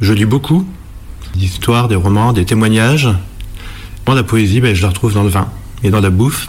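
A man speaks at a moderate pace with a fairly low pitch and ordinary pitch variation, over noticeable background noise. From Champagne. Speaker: passer-by. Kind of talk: vox pop.

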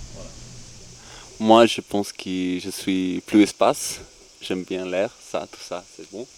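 A man's very deep, low voice, very slow, with fairly even intonation, long and frequent pauses, and big swings in loudness. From Greece and Italy. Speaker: percussionist. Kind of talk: interview.

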